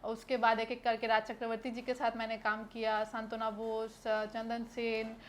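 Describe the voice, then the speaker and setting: A woman's voice: a little high, completely flat delivery, moderate pace, a little hiss or hum. A young woman from Kolkata, an actress answering interview questions in a chatty way with hesitant fillers and English phrases mixed in. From Kolkata, West Bengal, India.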